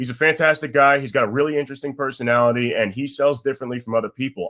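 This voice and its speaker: A medium-pitched man with an American accent on a very clean recording with a silent background. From New York. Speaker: podcast host. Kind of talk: podcast interview.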